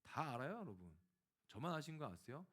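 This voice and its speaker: A man's voice: medium pitch, fairly quick, slightly rough. A male pastor preaching a sermon, telling a personal story and speaking directly to his congregation. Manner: animated storytelling, acting out dialogue.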